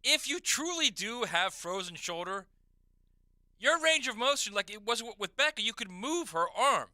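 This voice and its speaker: Dry, bright-voiced male radio co-host. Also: very high voice, animated, normal speed, no echo. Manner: chatty, asks follow-up questions. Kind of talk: casual radio chat. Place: radio studio.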